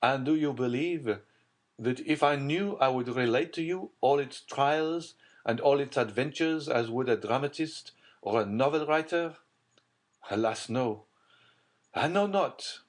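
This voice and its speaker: A man's voice: mid-range voice, unhurried, voice pushed up, close to an everyday voice. A man voicing a grim, despairing prosecutor in an audiobook, speaking in a grave, urgent, confiding way. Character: grim, despairing male prosecutor, middle-aged, secretive. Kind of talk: audiobook character voice.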